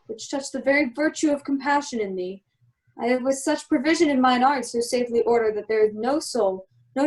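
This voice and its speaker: A woman playing a commanding exiled magician and protective father, giving a measured, solemn reading of Shakespearean verse for an amateur radio play. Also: high-pitched, close to an everyday voice, rough recording. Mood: solemn recounting.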